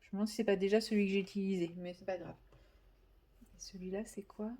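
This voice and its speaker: A woman's voice: mid-range voice, steady tone, quick pace, warm tone. A woman chatting casually to viewers while she colours, rambling and correcting herself as she goes. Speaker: vlogger.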